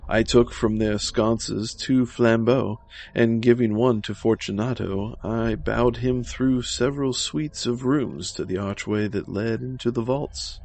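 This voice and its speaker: A man reading scripted gothic horror narration in a dramatic, measured manner. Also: medium pitch, steady tone, gravelly, a little mellow. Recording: music behind the voice.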